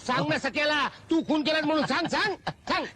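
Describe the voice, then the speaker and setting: A desperate villager in a comedy film, his voice pitched very high and blazing bright as he pleads his innocence. He talks fast and shouts, with comic panic. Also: full character voice. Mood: desperate insisting.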